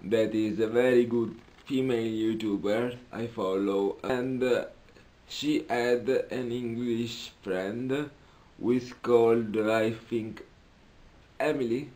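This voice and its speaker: A man in his twenties with an Italian accent, chatting casually as a vlogger in halting, hesitant English as a native Italian speaker. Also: mid-range voice, fairly even intonation, mellow. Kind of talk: casual vlog chat. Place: small cluttered room indoors.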